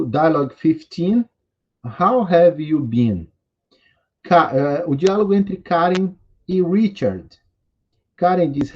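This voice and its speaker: A man's voice: on the high side, darkish tone, husky, highs cut off. A Brazilian man in his forties teaching an English lesson, rambling and correcting himself as he goes. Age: 40s. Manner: rambling, self-correcting, reads English lines slowly. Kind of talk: recorded online class.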